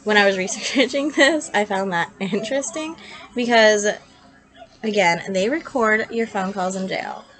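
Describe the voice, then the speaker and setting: Female true crime vlogger, bright and punchy, audibly sick and nasal, sore to talk, chatty and opinionated. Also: medium pitch, measured pace, rough recording. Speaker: true crime video host. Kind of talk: casual storytelling to camera.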